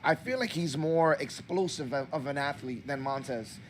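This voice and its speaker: A man's voice: a little high, normal speed, a little hiss or hum. A man in his early thirties co-hosting a casual wrestling chat, eager and rambling, recapping matches in detail. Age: 30s. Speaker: podcast co-host.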